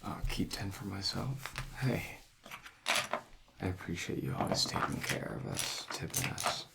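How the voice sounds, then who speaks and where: A man doing a soft-spoken ASMR roleplay as a casino dealer, rambling in a hushed, unhurried way that drifts into a whisper. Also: low-pitched, sing-song, vocal fry, heavy background noise.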